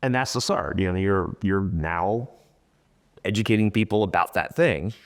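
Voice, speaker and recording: A man's voice: deep voice, moderate pace. A man speaking as an interview guest in a casual, conversational way, rambling through stories with little quoted asides. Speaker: interview guest, town crier and tour guide.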